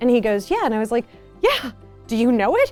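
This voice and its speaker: Over background music, a woman talks at a fairly high pitch with fairly even intonation. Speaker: voice actor. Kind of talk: casual interview answer.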